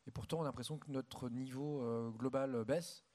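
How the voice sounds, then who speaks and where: A man with a mid-pitched voice moderates a conference stage interview. He speaks informally and hesitantly, with plenty of fillers. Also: fairly even intonation, moderate pace, darkish tone.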